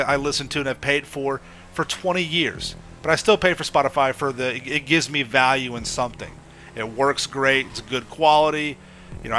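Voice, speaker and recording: Young man, stuffy cold voice, bright forceful tone, blunt casual talk, faint background hiss. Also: mid-range voice. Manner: blunt, repeats "okay?" and "right?" to the audience. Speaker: gaming YouTuber. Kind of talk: casual opinion monologue to camera.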